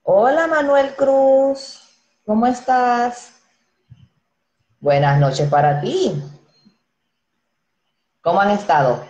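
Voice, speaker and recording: Extremely slow and pausing often, a fairly high-pitched, expressive, slightly mellow voice comes from a thirty-something Dominican woman with a Dominican Spanish accent hosting a casual live stream. She chats in a friendly way, reading names and comments aloud and laughing easily. Her earphone headset mic in a small echoey room yields a muffled recording.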